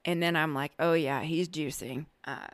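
Chatty lady podcast host, slightly hoarse, lowish voice, dry close sound. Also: steady tone, normal speed, dry recording. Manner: chatty, laughs often, self-deprecating. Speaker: podcast host, energy healer. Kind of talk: casual storytelling podcast.

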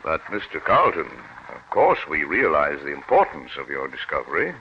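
A very deep-voiced bureaucrat. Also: male voice, huge pitch swings, moderate pace, exaggerated voice. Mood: polite. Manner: polite, bureaucratic. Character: cautious government secretary, bureaucrat. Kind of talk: 1940s radio acting. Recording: muffled old radio recording.

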